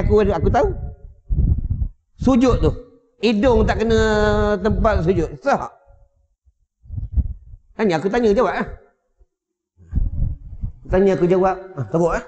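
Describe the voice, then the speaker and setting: A man with a Malaysian Malay accent giving a religious lecture in a prayer hall, conversational and joking, at times chanting drawn-out prayers. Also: high-pitched, expressive, mellow, slight background noise. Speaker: religious teacher. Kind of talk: mosque lecture. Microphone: wireless mic. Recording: echoey hall, dull sound.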